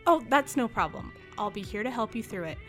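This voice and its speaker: A woman's voice: on the high side, animated, a little fast, fairly bright tone, faint music behind. A woman playing a gracious, encouraging school leader in an audio drama, speaking politely and rather formally.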